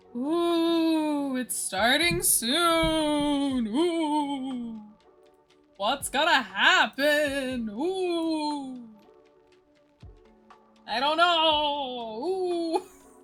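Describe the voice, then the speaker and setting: Playful put-on character voice, high in pitch and very slow, with long, frequent pauses over faint background music. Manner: playful, spooky-silly.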